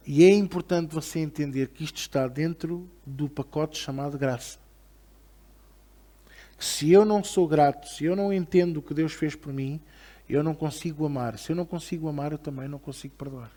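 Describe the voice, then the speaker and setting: A man preaching a Bible study in European Portuguese, his voice sitting a little high. He talks to the congregation with frequent rhetorical questions and moves into a reverent prayer. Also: mellow. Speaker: pastor.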